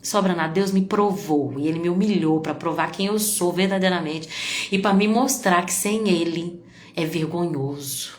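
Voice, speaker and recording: A woman's voice: fairly low pitch, normal speed, roomy sound, slight background noise. Woman preaching a heartfelt sermon. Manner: confessional, emotional preaching with sudden loud outbursts.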